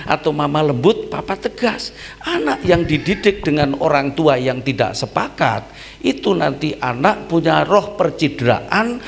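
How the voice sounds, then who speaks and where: A man's voice: a little high, creaky, slight background noise. A middle-aged man preaching at a family seminar, telling stories and acting out the dialogue. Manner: lively storytelling, acts out dialogue, asks congregation for amen. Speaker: pastor. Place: church hall. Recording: reverberant church hall with faint ambience.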